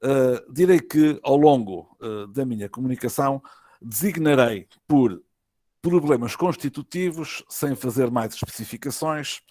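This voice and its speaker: A man with a European Portuguese accent reads an academic lecture in a formal, measured way, phrase by phrase, with some hesitations. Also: mid-range voice, warm tone, dry recording. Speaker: university professor, conference lecturer. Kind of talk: academic lecture read from a prepared text. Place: online web conference.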